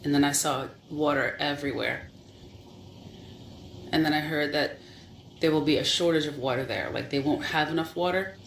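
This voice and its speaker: A speaker with a Christian testimony talks haltingly, searching for words and stumbling over repeats. The voice is mid-pitched and sounds in a roomy, echoey space over a faint hum. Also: vocal fry, a bit bright. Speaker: Christian sharing a vision. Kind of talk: spiritual testimony to camera.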